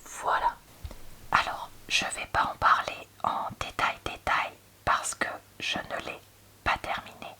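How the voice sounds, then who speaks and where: A woman whispering softly in a library whisper, chatting candidly in a conversational ASMR book-review style. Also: unhurried. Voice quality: soft, breathy unvoiced library whisper. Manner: hushed, conversational, candid opinions.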